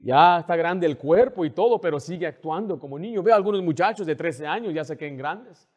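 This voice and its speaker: A male pastor preaching a sermon in a church, animated and questioning his listeners, who often mimics children's voices. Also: fairly high pitch, brisk. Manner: animated, asks the congregation questions.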